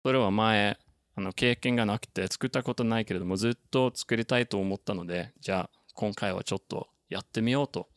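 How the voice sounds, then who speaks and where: Low gravelly man speaking careful Japanese. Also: brisk, no room sound, clean studio sound. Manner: careful non-native speech with frequent restarts and laughs. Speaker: interviewed game developer. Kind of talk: casual podcast interview.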